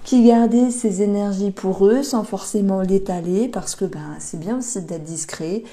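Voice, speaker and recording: Dark-voiced woman reading tarot. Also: medium pitch, moderate pace. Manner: gentle, hesitant, many fillers and restarts. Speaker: tarot reader.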